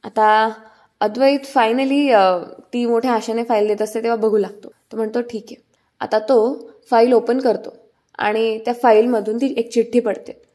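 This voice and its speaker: A woman retells a serial episode in a loose, chatty way, with frequent fillers. Her voice sits slightly high, and she speaks in a plain, conversational tone. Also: steady tone, moderate pace, dark tone. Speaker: serial recap narrator. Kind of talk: casual story retelling.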